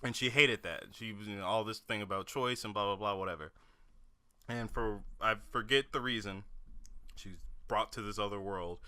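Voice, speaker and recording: Young male podcast co-host, very bright crisp tone, rambling chatter. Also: on the low side, normal speed. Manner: rambling, self-correcting, laughs often. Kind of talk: casual chat.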